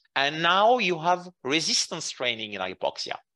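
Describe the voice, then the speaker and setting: A high-pitched man with a French accent, bright, sharp tone and very wide pitch swings, speaking fairly slowly against a quiet background. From France, Jura mountains. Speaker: professor of exercise physiology. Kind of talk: interview.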